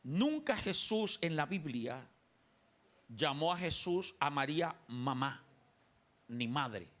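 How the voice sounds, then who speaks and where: A man's voice: on the high side, big pitch swings, takes it slowly, a bit bright. A man from Colombia preaching a sermon as pastor in a church, emphatic and calling on the congregation to repeat after him. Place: church sanctuary.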